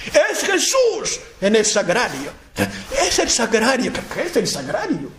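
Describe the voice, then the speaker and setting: A man with a very high voice gives a spoken sermon, his pitch leaping around as he acts out people's replies. He repeats himself and stumbles over words. It sounds like an echoey convent hall with a faint hiss behind him. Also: huge pitch swings, unhurried. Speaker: preacher. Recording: echoey room, faint noise.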